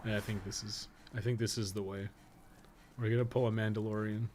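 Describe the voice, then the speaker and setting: A man's voice: lowish voice, little pitch movement, fairly quick, darkish tone. Man chatting casually over noisy background. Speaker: podcast co-host and game guide maker. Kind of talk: casual game stream commentary.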